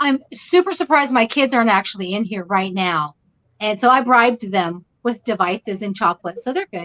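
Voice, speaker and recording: Loud and animated, a woman talks fairly quickly in a fairly high, bright, sharp voice with lively intonation and a dry, close sound with no echo. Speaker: crochet content creator. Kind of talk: casual chat. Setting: video livestream.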